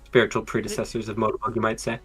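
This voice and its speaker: A man co-creating an animated series, chatting casually on a livestream and dropping dry, deadpan jokes. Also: fairly low pitch, very fast, soft background music.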